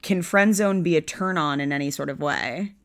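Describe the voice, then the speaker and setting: A woman's voice: sits low, moderate pace. A woman in her twenties co-hosting a podcast in casual chat, playful and sarcastic, laughing often. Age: 20s. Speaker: podcast co-host.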